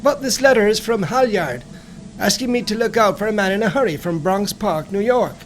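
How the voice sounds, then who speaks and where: A man reads as a young mine boss in a storybook tale, high in pitch. He is amiable and casual, with a smiling, easygoing manner. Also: expressive, fairly quick, a little hiss or hum. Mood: friendly. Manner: friendly, casual.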